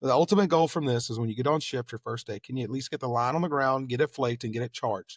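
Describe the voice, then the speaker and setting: An energetic man talks at a very fast pace with an American accent, his pitch medium and its variation ordinary. The sound is dry and close with no echo, and the recording is very clean over a silent background. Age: 30s. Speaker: firefighter lieutenant. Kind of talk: casual interview storytelling.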